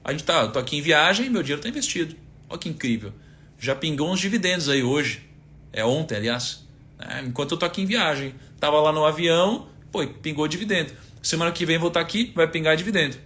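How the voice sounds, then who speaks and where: Fairly high-pitched and sharp, this man talks a little fast and very expressively. He is a thirtysomething Brazilian speaker with a Brazilian Portuguese accent, giving an informal live-streamed talk on faith and finance. He chats conversationally, throwing out rhetorical questions and reciting scripture.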